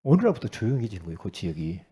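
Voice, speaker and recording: A middle-aged male pastor preaching a sermon in a conversational way, swinging from loud bursts to hushed asides and often asking the congregation for assent. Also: on the low side, big pitch swings, very fast, highs cut off.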